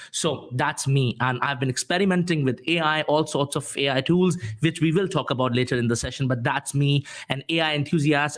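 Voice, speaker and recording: An enthusiastic, emphatic man with a Pakistani accent, talking conversationally as a guest on a show. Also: medium pitch. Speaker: guest, careers consultant. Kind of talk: conversational self-introduction.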